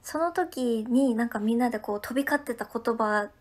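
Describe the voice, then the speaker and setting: High-voiced Ehime woman chatting with viewers. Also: moderate pace. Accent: Ehime Japanese. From Ehime, Japan. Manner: chatty and friendly, often slipping into soft breathy asides. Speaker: livestreamer. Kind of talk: casual livestream chat, reading viewer comments.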